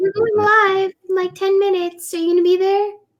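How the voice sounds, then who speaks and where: A squeaky, put-on character voice moves at a fairly quick pace with monotone, flat intonation. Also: woman, extremely high pitch for a woman. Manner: sweet and blameless.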